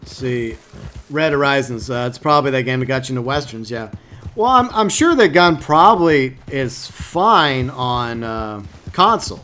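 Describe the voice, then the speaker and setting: A man's voice: medium pitch, lively intonation, normal speed, bright, forceful tone, a little hiss or hum. A man from Texas, casually chatting to viewers on a live game stream and reading their comments aloud.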